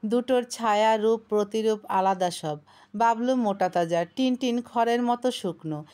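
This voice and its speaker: A woman's voice: a little high, unhurried, clear, resonant tone. Young woman reading a romance story. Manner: expressive storytelling. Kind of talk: scripted narration.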